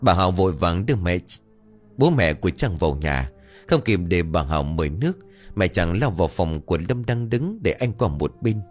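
Deep-voiced man narrating a horror story. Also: sing-song, moderate pace. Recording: faint background music.

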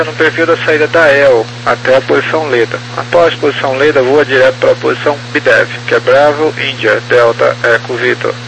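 A Brazilian man working as an air traffic controller, reading procedural clearances over aviation radio. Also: mid-range voice, a bit bright, low-quality recording. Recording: humming radio link with light noise.

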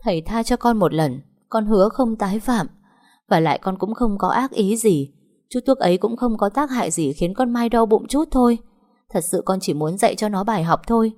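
A woman's voice: mid-range voice, lively intonation, normal speed, darkish tone, pitched above the performer's own voice, natural voice. A woman voicing a desperate young wife who pleads and sobs for forgiveness. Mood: pleading, tearful. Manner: tearful begging.

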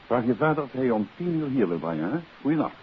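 A confident gentleman detective played by a man in a 1950s radio play. His mid-pitched voice moves with very lively intonation, on a dull old recording with clear hiss. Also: quick pace, close to an everyday voice. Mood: reassuring, firm. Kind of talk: 1950s radio drama acting.

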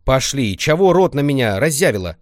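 Old village grandmother, loud and scolding, warm underneath, lively voice, dry close sound; a man acts her out. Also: medium pitch, moderate pace, no echo, natural voice. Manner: shouting, folksy scolding.

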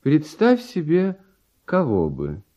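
An actor playing a cheerful, carefree genius composer in a verse radio play, with light-hearted, expressive theatrical delivery. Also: male voice, a little high, slow pace, heavily acted. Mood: musing. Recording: dull vintage radio play recording, music behind.

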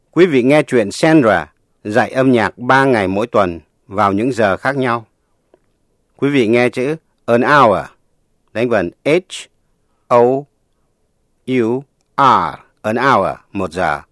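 A man teaching a language lesson on the radio in a measured, explanatory way, reading scripted narration. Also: mid-range voice, no room sound, studio quality.

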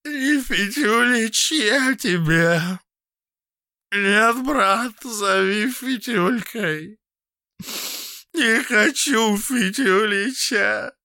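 A man voicing a tearful, childlike simple-minded man who pleads in a weepy, drawn-out way. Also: high voice, animated, pushed and bright, dry recording, studio quality, pitched above the performer's own voice, exaggerated voice.

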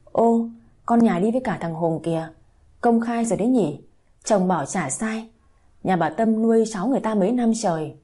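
A woman's voice: mid-range voice, moderate pace, mellow, husky, natural voice. A woman voicing a gossipy middle-aged village woman, mocking and snide.

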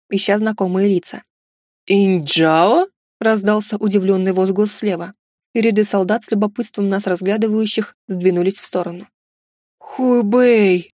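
A woman narrating an audiobook with an even, steady reading. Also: medium pitch, no echo, clean studio sound. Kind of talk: scripted narration.

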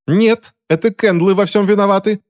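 A man's voice: fairly even intonation, moderate pace, close to an everyday voice. Man doing a thin-voiced whiny leprechaun. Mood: shrill accusing. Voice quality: thin high voice. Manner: shrill accusing shouts. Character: small cowardly male leprechaun, whiny.

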